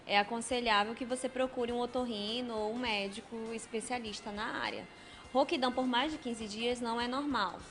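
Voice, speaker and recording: A woman with a Brazilian Portuguese accent, a specialist guest giving calm, measured answers on a TV studio talk show. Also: on the high side, soft background music. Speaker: speech health specialist guest. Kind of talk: explanatory studio interview answers. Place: television studio.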